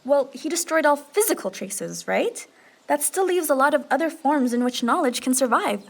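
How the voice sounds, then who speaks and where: A woman's voice: high voice, expressive, moderate pace, gravelly. A woman playing a bossy, dry-witted young adventurer with a decisive manner in a comic fantasy audio drama. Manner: decisive, wry.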